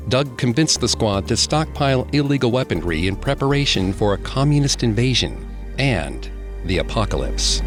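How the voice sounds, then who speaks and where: A man co-hosting a podcast, reading scripted true-crime narration in a measured, grave delivery. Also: mid-range voice. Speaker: podcast co-host.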